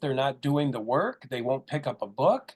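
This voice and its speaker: A man talks at a moderate pace with a fairly high pitch. It is a plain, everyday voice. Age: 60s. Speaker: spiritual podcast co-host. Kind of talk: casual chat.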